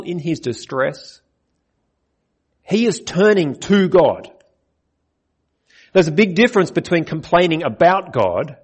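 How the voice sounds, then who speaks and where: A man's voice: on the high side, a little mellow, breathy edge. A man preaching a sermon on a Bible passage, earnest, putting questions to his listeners.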